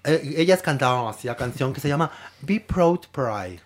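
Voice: mid-range voice, animated, moderate pace. A speaker with a Mexican accent telling gossip in a campy, dramatic way. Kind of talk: casual gossip chat.

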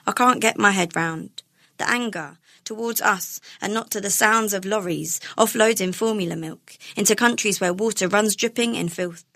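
A woman's voice: mid-range voice, normal speed, a bit bright, dry recording. Young woman, dry close sound, rhyming performance poetry, indignant cadence. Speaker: spoken word poet. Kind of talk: rhythmic rhyming spoken word poetry performance.

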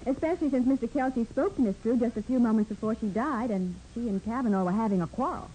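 Casting: spirited forties radio sleuth's assistant, high-pitched, soft muted tone, expressive and curious. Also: female voice, quick pace, breathy edge, poor audio. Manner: eager, inquisitive, expressive. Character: spirited, alert young female detective's assistant. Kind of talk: 1940s radio crime drama acting. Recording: old 1940s radio broadcast.

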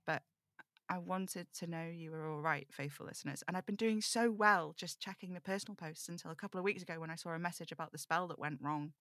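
Woman playing a bright-voiced, wistful confessional radio broadcaster. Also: lowish voice, no echo, clean studio sound, natural voice. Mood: confessional, uneasy. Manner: measured, confiding, wistful storytelling. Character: reflective lonely woman broadcaster confiding in her listeners. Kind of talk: intimate scripted audio drama monologue.

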